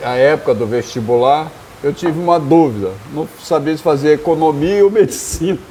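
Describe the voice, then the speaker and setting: This man's intonation is lively and his pace moderate, with noticeable background noise around him. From Brazil, Espírito Santo (Vitória). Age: 60s. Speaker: cardiologist. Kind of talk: casual interview. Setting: bar with audience.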